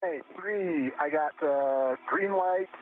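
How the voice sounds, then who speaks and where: Male astronaut, fairly high voice, terse readbacks, crackly radio link. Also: takes it slowly. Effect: crackly space-to-ground radio. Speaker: astronaut on spacewalk. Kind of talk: procedural radio calls. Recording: tinny noisy radio link.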